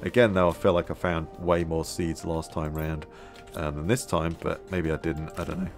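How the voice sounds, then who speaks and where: A man musing aloud as he plays a game, his voice a little hoarse, with many fillers. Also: rumbling low, level tone, moderate pace, faint music behind. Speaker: gameplay video host. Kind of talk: casual gameplay commentary.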